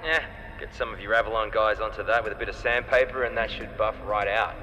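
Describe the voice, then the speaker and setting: An actor playing a breezy, joking spaceship engineer who talks colloquially in a sci-fi audio drama. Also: male voice, fairly low pitch, fairly even intonation, fast, big-room sound, lightly acted, low-quality recording. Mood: breezy, upbeat.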